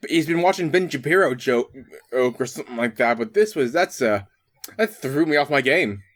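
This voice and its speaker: A man's voice: medium pitch, expressive, moderate pace. A man riffing on a fanfic in rambling, self-interrupting comic commentary. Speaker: co-host.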